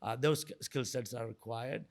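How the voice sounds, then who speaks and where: A man's voice: mid-range voice, normal speed. A middle-aged man from Sri Lanka answering interview questions conversationally as a guest, often repeating words and rephrasing as he goes. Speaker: guest, entrepreneur and investor.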